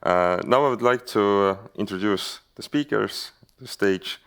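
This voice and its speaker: A man's voice: lowish voice, unhurried, a bit bright, smooth. A man with an Estonian accent moderating a conference panel, speaking hesitantly with many fillers and restarts. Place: conference hall stage.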